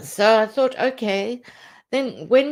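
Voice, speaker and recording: A plain, everyday voice at a fairly slow pace, with fairly even intonation, in a very clean recording with a silent background. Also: woman. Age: 60s. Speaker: life and business coach. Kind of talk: radio interview.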